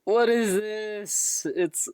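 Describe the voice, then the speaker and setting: Slow, laid-back woman livestreamer, dry sound. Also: mid-range voice, fairly even intonation, warm tone, clean tone, no echo. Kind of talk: casual stream reaction commentary.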